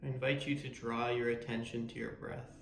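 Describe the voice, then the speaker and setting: A man leading a guided meditation in a calm, measured, soothing way. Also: mid-range voice, vocal fry, reverberant, slight background noise. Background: meditation music.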